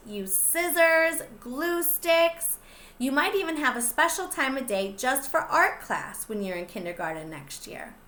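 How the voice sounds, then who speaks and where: A young woman pre-K teacher reading a picture book aloud to small children, slow and gentle, stopping to ask them questions. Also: sits high, reverberant. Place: classroom.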